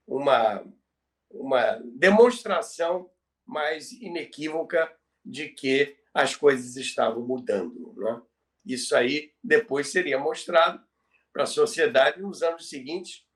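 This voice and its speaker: A man's voice: mid-range voice, distant mic. An older man with a Brazilian Portuguese accent co-hosting a podcast in conversational commentary, often repeating phrases for emphasis. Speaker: podcast co-host telling radio history.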